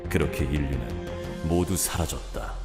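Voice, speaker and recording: A man acting in an audio drama with a solemn, formal and measured delivery. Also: rumbling low. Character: grave narrator of humanity's end, formal official. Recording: long echoing reverb, music behind.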